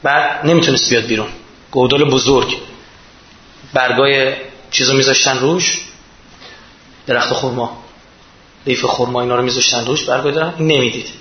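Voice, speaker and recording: A man's voice: medium pitch, fairly even intonation, pauses often. Impassioned male preacher, echoey lo-fi. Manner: impassioned, rising to emphatic peaks. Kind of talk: religious sermon. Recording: echoey dull lo-fi.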